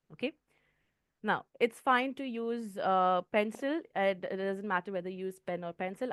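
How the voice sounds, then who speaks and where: A woman's voice: medium pitch, no echo, clean studio sound. A woman with an Indian English accent giving a test-prep lesson, often checking in with "okay". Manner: clear teaching tone, frequent "okay" checks. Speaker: IELTS trainer.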